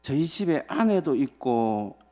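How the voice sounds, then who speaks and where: A man's voice: medium pitch, big pitch swings, takes it slowly, dark tone. A male pastor giving a sermon in church, telling a story with many rhetorical questions to the congregation. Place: church sanctuary.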